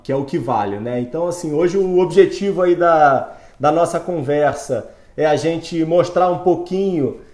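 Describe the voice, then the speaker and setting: A man's voice: fairly high pitch, normal speed, few pauses, darkish tone, reverberant. A Brazilian man who hosts an interview podcast as a doctor, chatty and enthusiastic, full of fillers. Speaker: host, ophthalmologist.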